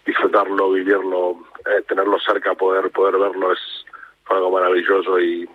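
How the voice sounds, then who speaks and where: A man with an Argentine accent, a national hockey coach, speaking calmly and reflectively in a radio phone interview, with many restarts. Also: deep voice, moderate pace. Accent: Argentine Spanish. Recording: tinny phone line with faint noise.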